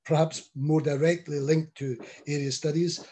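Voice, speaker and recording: Husky middle-aged man chairing a panel. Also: on the high side, flat delivery, dark tone. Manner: polite, measured, with many fillers. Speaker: chair of a roundtable. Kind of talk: introducing speakers on a video call. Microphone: headset mic on a video call.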